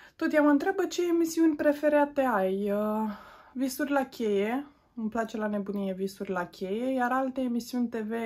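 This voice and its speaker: A woman's high voice at a moderate pace, with ordinary pitch variation and a quiet background. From Romania, Bacău; Romania. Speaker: YouTuber; vlogger. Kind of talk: casual Q&A vlog. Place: home room. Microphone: phone near.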